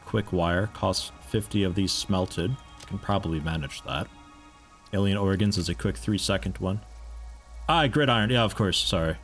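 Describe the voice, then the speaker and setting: A young man with a lowish voice and a mixed American accent, tinged with picked-up European mannerisms. He chats casually and rambles as he streams a game, interrupting himself with amused asides. Faint music plays underneath. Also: normal speed, a bit bright. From United States. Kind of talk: casual live-stream chat while playing.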